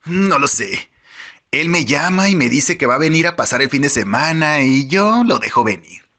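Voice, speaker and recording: A man's voice: a little high, expressive, normal speed, vocal fry, bright, forceful tone, full character voice. A man voicing a weary, blunt friend who answers frankly and offhandedly.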